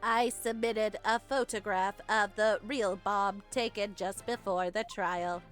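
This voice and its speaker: A woman's voice: medium pitch, fairly even intonation, takes it slowly, a bit bright, soft background music. A woman voicing a precise, robotic bomb technician witness in terse, clipped phrases for a video game read-along. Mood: clipped, exact.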